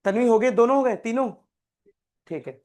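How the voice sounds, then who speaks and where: A male chemistry teacher tutors a live class, quizzing students by name and repeating key terms. His voice is extremely high in pitch, with a darkish tone and a moderate pace.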